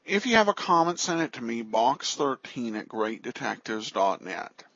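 A man's voice: mid-range voice, very animated, normal speed, a bit bright, no echo, lo-fi sound. An American man hosting a podcast and introducing a program. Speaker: podcast host.

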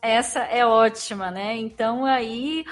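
Higher-voiced Brazilian woman hosting, music behind. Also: a little slow. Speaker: podcast host. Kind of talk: casual group podcast chat. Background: background music.

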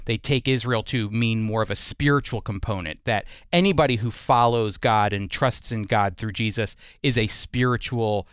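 A man's voice: on the low side, normal speed, hardly any pauses, a bit bright, smooth, no room sound, studio quality. A man hosting a Christian radio interview in an earnest, explanatory, conversational way. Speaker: radio host.

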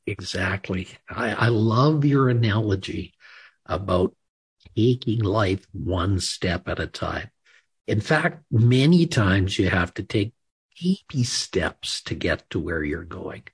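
A male interview host who speaks slowly and emphatically, with large swings between loud and soft. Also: lowish voice, lively intonation, slightly rough. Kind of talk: interview hosting.

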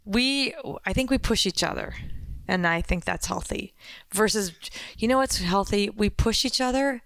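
Female podcast co-host, mid-pitched voice, dry studio sound, playful chatter. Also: normal speed, gravelly, a bit bright, no echo. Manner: chatty, laughing and teasing. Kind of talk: casual chat.

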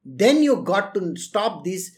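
Lively, joking speaker giving a spiritual talk. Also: mid-range voice, slow pace. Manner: joking, chuckles at own jokes, acts out quoted voices; asks the listeners rhetorical questions. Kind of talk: motivational spiritual talk to an audience.

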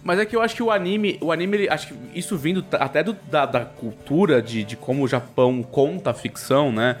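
Brazilian man, fairly high voice, opinionated podcast co-host, emphatic, frequent check-in tags, faint music. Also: fast talker. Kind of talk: casual, opinionated podcast chat.

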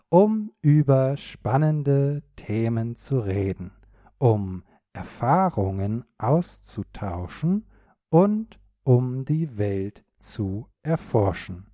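A native German man hosting a podcast for learners, speaking clearly in an upbeat, encouraging way. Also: medium pitch, warm tone, no echo, studio quality. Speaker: podcast host and language teacher.

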